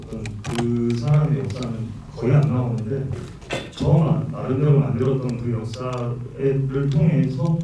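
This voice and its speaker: A man's voice: medium pitch, measured pace, background noise. A man from Busan, an actor answering audience questions, candid and wry, heard from afar in a cinema hall. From Busan, South Korea. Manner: candid, wry, thinks aloud. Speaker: film actor at a post-screening Q&A. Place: cinema auditorium. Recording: echoey cinema hall, distant mic.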